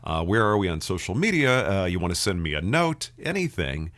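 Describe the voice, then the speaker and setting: Deep-voiced chatty podcast host, man. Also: very animated, fairly quick, a bit bright. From Dallas, Texas. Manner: chatty, joking, rambling with many restarts. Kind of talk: casual interview chat.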